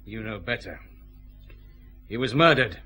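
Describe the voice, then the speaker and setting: An actor playing a commanding male Glasgow detective chief inspector in a radio drama, giving brisk, clipped orders in a Scottish accent. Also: lowish voice, animated, pushed and bright, slightly rough, exaggerated voice, rough recording. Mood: stern.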